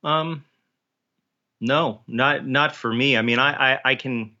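A man's voice: mid-range voice, slow, bright, forceful tone, muffled recording. A man talking casually as an interview guest, emphatic and often repeating himself. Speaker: author, podcast guest.

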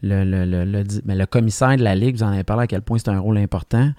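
A man's voice: on the low side, quick pace, mellow, dry recording, studio quality. A man with a Québécois French accent interviewing a guest, curious and encouraging, sometimes restarting his questions.

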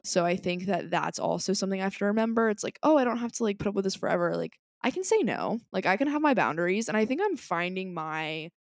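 A young woman co-hosting a podcast talks quickly in a medium-pitched, creaky voice, hardly pausing as she rambles animatedly through a casual chat packed with "like" fillers. By her own account, she's loud and passionate. The sound is studio quality with no room sound.

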